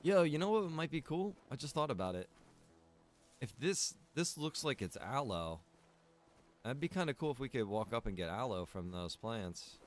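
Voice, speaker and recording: While streaming a game, a man who is also a game server developer chats in an informal, slangy way and swears now and then. His medium-pitched voice has a sing-song quality at a moderate pace, with soft music playing behind him.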